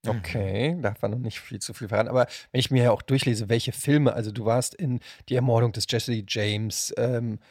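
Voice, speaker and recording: A man's voice: mid-range voice, fairly even intonation, normal speed, few pauses, dry recording, clean studio sound. A man, hosting a casual interview as a podcast host.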